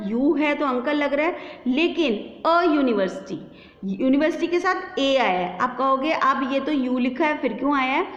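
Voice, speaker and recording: A woman gives a classroom lesson, explaining patiently and repeating her examples one by one. Her voice sits a little high and moves at an unhurried pace. It is recorded dull and lo-fi, with a roomy echo and a long reverb tail. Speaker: teacher. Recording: echoey lo-fi room recording.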